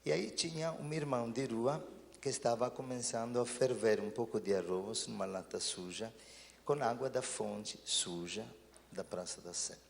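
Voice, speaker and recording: A priest telling stories and reflecting earnestly in a talk show conversation. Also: male voice, mid-range voice, moderate pace, creaky, in a large hall, slight background noise.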